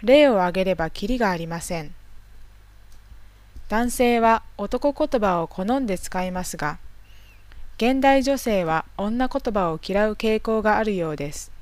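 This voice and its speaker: A woman narrates a language lesson in a calm, explanatory manner. She takes her time and sets each point out slowly and deliberately. Her voice sounds close and dry, with no room around it. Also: mid-range voice, no echo. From Tohoku, Japan. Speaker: language teacher.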